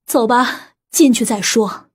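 An authoritative, practical aunt from an audiobook drama acted by a woman gives brisk instructions. The voice has a slightly husky edge. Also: a little high. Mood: instructing.

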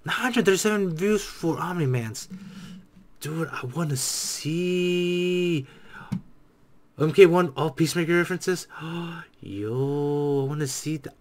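A man in his twenties giving casual reaction commentary as a streamer, excitable, repeating himself and swearing freely. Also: on the high side, measured pace. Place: small dim room at home.

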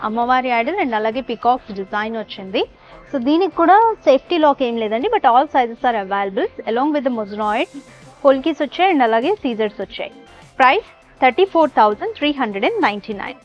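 Young woman doing a jewellery sales pitch, high bright voice, kinda dull lo-fi sound, soft music behind. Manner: cheerful sales pitch, Telugu mixed with English. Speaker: jewellery store presenter. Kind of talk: product showcase presentation. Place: jewellery showroom. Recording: dull lo-fi voice track with faint music.

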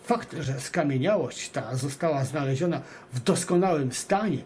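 A man's voice: on the high side, animated, normal speed, darkish tone, a little hiss or hum. A man hosting, reading an article aloud and adding emphatic, rhetorical comments addressed straight to viewers. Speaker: video host and narrator.

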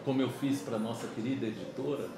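A man in his fifties from Pernambuco, Brazil, telling stories in a chatty, animated way during an interview, often checking that his listener follows along. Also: mid-range voice, fast talker, very echoey, a loud crowd, rough recording. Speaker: musician guest. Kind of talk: casual interview. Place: small office meeting room. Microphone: camera across the table.

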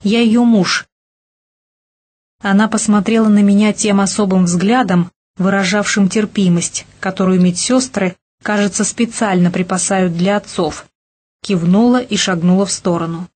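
A woman reading a novel aloud as an audiobook narrator, steady and measured. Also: medium pitch, slightly rough. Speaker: audiobook reader. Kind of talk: scripted narration.

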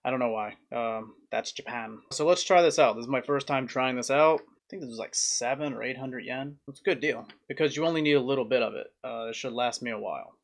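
A young adult man giving a casual food review to camera, speaking plainly in short, halting phrases. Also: medium pitch, vocal fry. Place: small room indoors at home.

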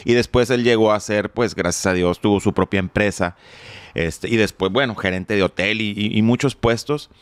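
Joking chatty man, low voice. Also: moderate pace, clear, resonant tone, no room sound. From Mexico. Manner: joking, chatty, swears casually. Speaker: interview guest, drummer. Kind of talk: casual storytelling.

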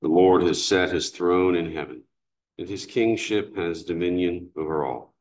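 A man leading morning prayer as a priest, reciting psalms, canticles and the creed in a measured, steady way, recorded from a distance in a large cathedral. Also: low-pitched, slight background noise. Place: large cathedral sanctuary, indoors. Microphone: far camera. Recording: echoey cathedral room sound.

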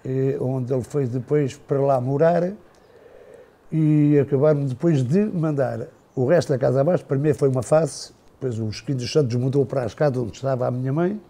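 Older man with a gravelly, dark voice. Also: medium pitch. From Portugal. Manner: unhurried, halting, with many restarts and fillers. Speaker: guest. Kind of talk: casual reminiscing.

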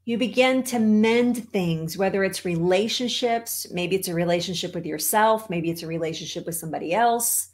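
A woman's voice: mid-range voice, normal speed, hardly any pauses, a little mellow. Emphatic American woman giving a motivational talk. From Texas, United States. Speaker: holistic cancer coach, show host. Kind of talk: motivational talk to an online audience. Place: small home office, indoors.

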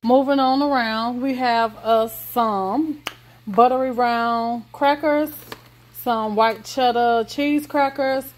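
Slow-talking woman with a drawl. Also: fairly high pitch, a little hiss or hum. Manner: slow, listing items with many ums and pauses. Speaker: vlogger. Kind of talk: casual grocery haul walkthrough. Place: home kitchen indoors.

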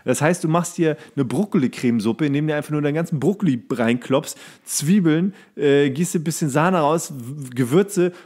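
A man's voice: fairly high pitch, normal speed, few pauses, darkish tone. Colloquial man bantering as podcast co-host. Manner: colloquial, coarse slang. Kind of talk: casual, rambling banter.

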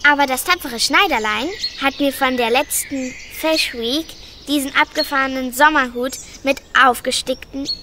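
A woman's voice: high-pitched, background noise. A woman playing Little Red Riding Hood as a chatty, eager young girl in a children's radio play.

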